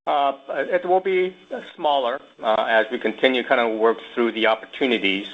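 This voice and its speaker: A man speaking as a company executive, giving measured business answers on an earnings call. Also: mid-range voice. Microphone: conference call line. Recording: dull conference call audio.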